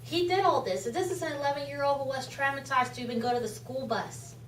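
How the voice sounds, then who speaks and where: A woman's voice: high voice, fast talker, slight background noise. Earnest woman speaking in an echoey hall. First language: Spanish. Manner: earnest, impassioned, repeats phrases. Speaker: charity speaker. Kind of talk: club presentation speech. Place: meeting room. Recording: echoey room from far off.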